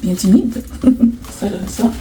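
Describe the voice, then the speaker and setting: A woman's voice: mid-range voice, slow pace, warm tone, a little hiss or hum. A woman vlogging casually to camera in a sassy, teasing way, laughing often. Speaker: hair vlogger.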